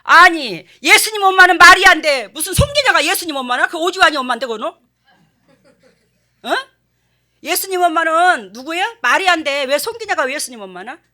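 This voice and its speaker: A woman's voice: very high-pitched, expressive, a little fast, voice pushed up, exaggerated voice. A woman quoting an indignant grown son. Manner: loud, incredulous.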